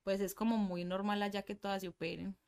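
A woman's voice: medium pitch, level tone, fairly quick, a little mellow, clean tone. A young woman with a Medellín Colombian Spanish accent, chatting casually as a podcast guest, rambling with many fillers and restarts.

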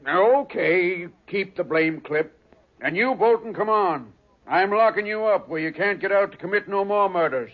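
An American actor playing a folksy, stubborn small-town police chief with a blustery manner in 1940s radio drama, muffled old recording. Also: male voice, high voice, lively intonation, moderate pace. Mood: gruff, blustery.

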